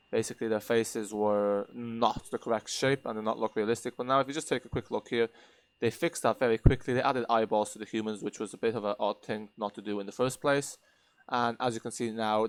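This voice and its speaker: A man's voice: fairly low pitch, clear, resonant tone, no echo. Man giving a hesitant game review. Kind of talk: unscripted review commentary over gameplay.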